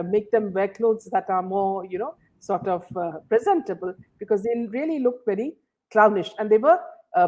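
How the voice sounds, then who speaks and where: A woman's voice: mid-range voice, darkish tone, rough recording. A woman hosting a casual commentary talk, filling her sentences with "uh" and "you know". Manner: many fillers and "you know"s. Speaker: host.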